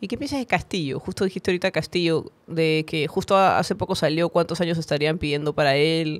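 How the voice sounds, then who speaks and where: A woman with an ordinary speaking voice and fairly low pitch talks at a fairly quick pace, with ordinary pitch variation and hardly any pauses. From Peru. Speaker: podcast host and comedian; podcast host, comedian. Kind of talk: casual interview. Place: studio. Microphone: studio mic.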